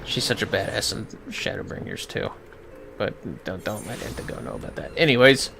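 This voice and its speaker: Animated man livestreaming a game. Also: lowish voice, normal speed, vocal fry, background noise. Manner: irreverent, swearing, jokey asides. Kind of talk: casual play-by-play commentary, reading dialogue aloud.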